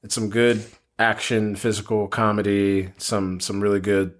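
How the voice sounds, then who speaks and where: A man's voice: fairly low pitch, monotone, unhurried. A man co-hosting a podcast, talking casually and quoting films in put-on voices. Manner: laughs often, quotes films in put-on voices. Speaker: podcast co-host. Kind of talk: casual chat.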